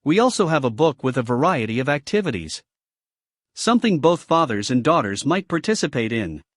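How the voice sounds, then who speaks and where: A man's voice: mid-range voice, big pitch swings, fairly quick, no room sound, clean studio sound. A man with a Greek accent narrating a self-help audiobook, reading expressively and asking the listener many questions.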